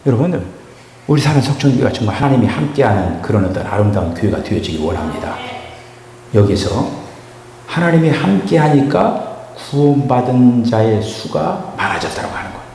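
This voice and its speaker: A man's voice: medium pitch, sing-song, fairly quick, creaky. Middle-aged male pastor, fervent preaching, reverberant sanctuary. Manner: emotional preaching, swinging from shouts to quiet. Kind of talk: sermon. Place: church sanctuary. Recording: echoey church hall.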